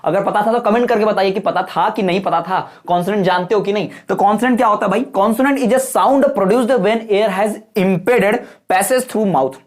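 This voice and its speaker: A man's voice: high voice, normal speed, few pauses. A male teacher giving an exam-prep lecture, explaining points over and over and checking that listeners follow, calling them "brother". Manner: repetitive explaining with frequent rhetorical checks; folksy, addresses viewers as brother.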